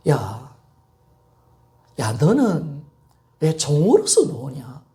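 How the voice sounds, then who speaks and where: A man's voice: fairly high pitch, wildly swooping pitch, extremely slow, pitched below the performer's own voice, heavily acted. Fatherly God, as a man puts him on. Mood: scolding. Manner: gently scolding, pleading. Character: God as a loving fatherly male spirit. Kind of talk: sermon.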